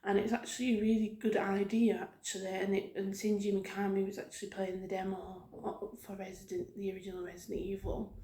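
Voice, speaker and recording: Soft-spoken woman, roomy echo. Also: mid-range voice. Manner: gentle, halting, rambling delivery. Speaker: video creator hosting her own channel. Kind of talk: soft-spoken ASMR ramble about video games. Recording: roomy, echoing sound.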